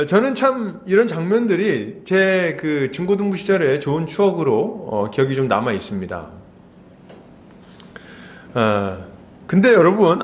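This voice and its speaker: Male pastor, high and lively voice, storytelling sermon with rhetorical questions. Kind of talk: expository sermon. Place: church.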